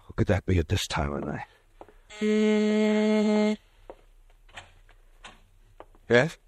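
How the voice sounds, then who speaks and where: A man's voice: sits low, expressive, fast talker, slight background noise. A man playing a nervous, guilt-ridden pharmacist in an old radio drama, speaking anxiously. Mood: guarded, nervous. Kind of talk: 1940s radio drama acting.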